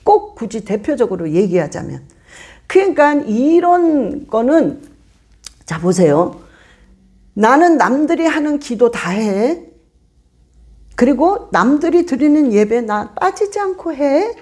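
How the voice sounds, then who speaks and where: A woman's voice: sits high, slow pace, long pauses. A woman pastor preaching a sermon to her congregation, emphatic and repetitive, often acting out the voices of churchgoers. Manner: animated, acts out congregants' voices; emphatic, repeats commands.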